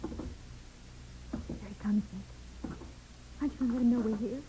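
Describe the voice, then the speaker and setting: An actress playing an excitable, nervous detective's assistant who exclaims breathlessly in a 1940s radio crime drama. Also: female voice, a little high, measured pace, natural voice. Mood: frightened. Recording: hissy old radio recording.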